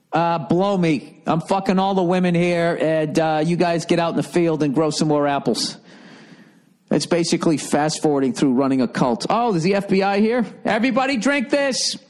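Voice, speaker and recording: A middle-aged man reading a text aloud and breaking off into sarcastic, profane comic asides. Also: a little high. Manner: sarcastic, profane running commentary. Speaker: comedian. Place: dim study with leather chair.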